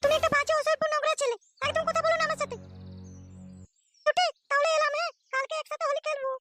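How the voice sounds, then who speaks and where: A prim little girl in a comedy cartoon. She scolds in an extremely high, bright voice over music. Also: little pitch movement, fast, no room sound. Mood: offended, prim. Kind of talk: comic cartoon dialogue.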